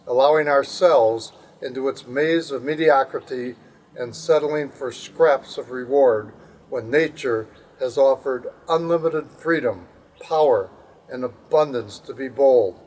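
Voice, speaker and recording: A man giving a deliberate, phrase-by-phrase reading of a scripted inspirational manifesto. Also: medium pitch.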